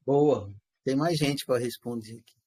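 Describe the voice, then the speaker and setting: A man's voice: medium pitch, unhurried, breathy edge. A man teaching a live class, asking his students questions and acting out everyday lines in quotes. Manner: animated, switches into acted quotes of everyday speech; rhetorical questions answered himself.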